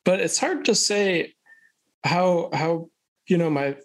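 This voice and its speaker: Slow, hesitant young man. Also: high voice, expressive. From Thailand. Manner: slow, hesitant, thoughtful, many restarts. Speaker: podcast guest. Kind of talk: casual interview chat.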